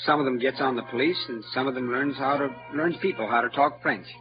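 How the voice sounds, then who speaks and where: A man's voice: mid-range voice, fast, natural voice. An actor playing Huck, a clever boastful frontier boy with a rural Southern dialect, in an old-time radio drama. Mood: lecturing. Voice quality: bright, showy, know-it-all delivery. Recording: dull lo-fi old radio recording with music.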